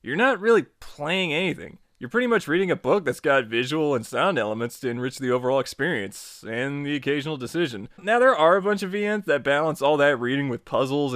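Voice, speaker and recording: A man's voice: mid-range voice, fairly bright tone, no room sound, studio quality. A man hosting an online video, narrating a scripted promo in a playful, chatty, emphatic way. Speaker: YouTube host and tutorial creator. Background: music.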